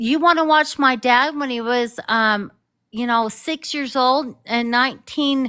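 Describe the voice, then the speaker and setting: A woman speaks at a fairly slow pace, her tone animated, bright and sharp. Pitch variation is ordinary, and the recording is very clean with a silent background. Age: 60s. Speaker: caller. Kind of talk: heated debate.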